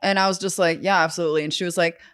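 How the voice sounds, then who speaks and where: Young woman cohost with a lower voice, teasing, jokey deadpan stories. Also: racing, clear, resonant tone. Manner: teasing, joking, deadpan storytelling. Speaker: podcast co-host. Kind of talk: casual chat.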